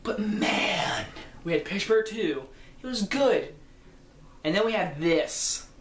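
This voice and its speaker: A man's voice: high voice, expressive, slow, a bit bright. A fifteen-year-old boy giving an enthusiastic, rambling casual movie review that keeps correcting itself. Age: teenager, fifteen. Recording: roomy echo.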